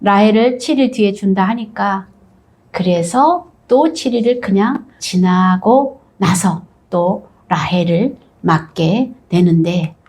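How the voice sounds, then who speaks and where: A woman pastor preaching a sermon with animated storytelling, acting out the figures as she retells the story. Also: medium pitch, takes it slowly.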